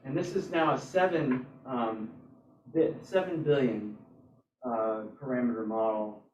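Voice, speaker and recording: A man giving a casual live demo at a club meetup, halting and thinking aloud as he goes. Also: mid-range voice. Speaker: presenter at a robotics club meetup. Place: indoor hybrid club meeting, away from mic. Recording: roomy, distant, dull meeting-room sound.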